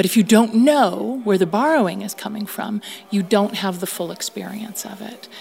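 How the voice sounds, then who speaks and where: A woman at a medium pitch, with ordinary pitch variation, a moderate pace and big swings in loudness, against noticeable background noise. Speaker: synagogue cantor. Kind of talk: interview. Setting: choir practice.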